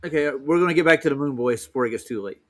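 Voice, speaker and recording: A man's voice: a little high, rapid-fire, crowd noise. A man co-hosting and steering a casual group conversation. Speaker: co-host moderating the stream.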